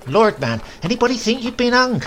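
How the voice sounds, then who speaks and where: A man putting on a sharp-tongued old grandmother. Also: on the high side, expressive, moderate pace, slight background noise, voice pushed up. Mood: bossy. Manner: scolding, bossy.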